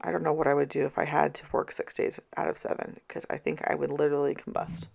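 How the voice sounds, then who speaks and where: A woman's voice: sits low, flat delivery, fast, gravelly, darkish tone. Scratchy-voiced woman, tired and chatty. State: hoarse, voice keeps going out. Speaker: vlogger. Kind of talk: casual planner vlog chat.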